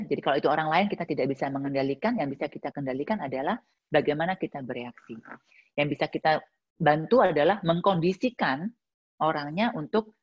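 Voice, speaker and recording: In dull audio, a deep-voiced woman answers a listener's question in a casual, reflective talk. She keeps it conversational, full of everyday examples and filler words.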